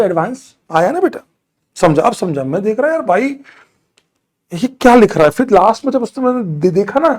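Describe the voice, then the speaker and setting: A man's voice: high voice, a little mellow. A man teaching chemistry in a live online class, answering student doubts from the chat and scolding and teasing them as he goes.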